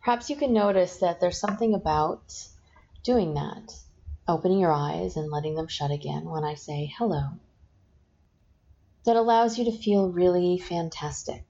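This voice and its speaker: A woman guiding a hypnosis session, speaking in slow, soft, repetitive suggestions. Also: lowish voice. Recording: dull lo-fi sound with faint noise.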